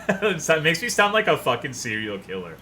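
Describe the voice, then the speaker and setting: A man chatting casually on a livestream, rambling and swearing in a self-deprecating, animated way. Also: a little high, normal speed, slight background noise. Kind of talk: casual livestream chat, reading viewers' messages aloud.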